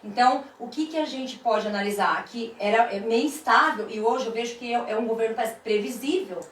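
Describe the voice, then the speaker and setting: A woman's voice: fairly high pitch, a little fast. A woman with a Brazilian accent hosting a talk show conversationally, acting out remarks as she tells them. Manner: chatty, acts out quoted remarks. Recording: echoey room, distant mic, background noise.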